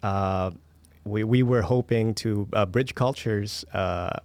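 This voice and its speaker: A man's voice: on the low side, slow, darkish tone, no room sound. A man from the Philippines speaking as an interview guest, explaining his work conversationally. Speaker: interview guest, audio studio owner.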